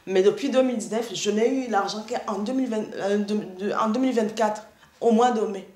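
A woman's voice: medium pitch, darkish tone. Earnest woman testifying in an echoey room. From Rwanda. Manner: earnest, halting with many restarts. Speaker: testifying church member. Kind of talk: spoken testimony. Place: indoor room, seated in armchair.

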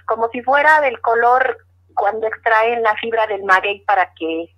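A woman's voice: fairly high pitch, moderate pace. A middle-aged woman, earnestly telling a personal story in an interview, repeating words as she recalls it. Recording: dull lo-fi audio.

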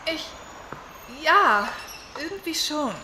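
A nervous young woman in distress. Her voice is very high and very slow, swinging in pitch. The audio drama recording is echoey and noisy. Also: lively intonation. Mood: flustered.

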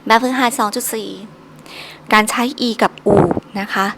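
A woman's voice: fairly high pitch, steady tone, normal speed, fairly bright tone, a little hiss or hum. A woman teaching a solo recorded language lesson, patiently drilling each syllable three times over.

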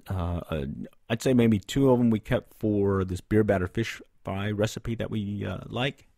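A man's voice: lowish voice, darkish tone, dry recording. A middle-aged man hosting a fishing podcast, recapping a trip in a rambling way with many fillers and restarts, close to a studio microphone. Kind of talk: casual solo podcast recap. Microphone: studio condenser mic on stand, close.

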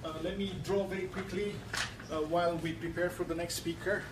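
A man from Romania moderates a lecture, speaking in a somewhat high voice from across a large, roomy hall. He keeps the time with polite, courteous remarks. A clear hum runs beneath his voice. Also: level tone, fairly quick. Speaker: event moderator. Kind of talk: chairing a lecture Q&A. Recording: echoey hall, heard from far off, clear background hum.

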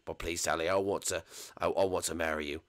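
This is a gruff male army boss from a playful game roleplay, put on by a man. The voice sits low and gravelly, quieter than everyday talk. He growls threats and then begs for affection. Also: fairly even intonation, fast. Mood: pleading.

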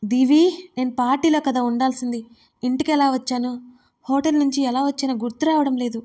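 A woman voicing an irritable, confused young woman with a hangover, complaining in sharp outbursts. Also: sits high, steady tone, fairly quick, lightly acted. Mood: pleading.

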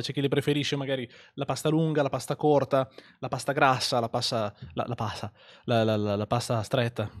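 A young Italian man streaming a game live, joking, rambling and thanking viewers by name, mumbling a little around a candy in his mouth. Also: mid-range voice. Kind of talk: live gaming stream chat.

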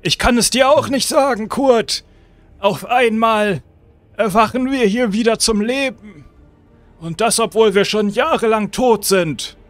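A man voicing a decayed zombie uncle who pleads with a hoarse, strained voice, repeating the boy's name and restarting his sentences. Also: high voice, measured pace, no echo, faint music behind. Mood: coaxing. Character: undead zombie uncle, decayed, coaxing and weary.

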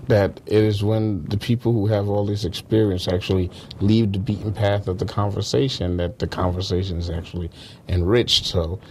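A man interviewing in a conversational way, speaking in measured, articulate phrases and encouraging his guest. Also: lowish voice, steady tone, a little mellow, slight background noise.

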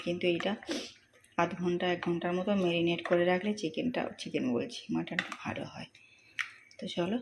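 A woman, speaking softly as she explains a home cooking vlog step by step. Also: fairly low pitch, vocal fry, background noise. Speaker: cooking vlogger. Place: home kitchen.

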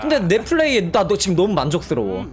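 A male streamer giving casual live commentary on his gameplay, breaking into loud surprised exclamations. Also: high voice, huge pitch swings, fast talker. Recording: game music behind the voice. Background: game music.

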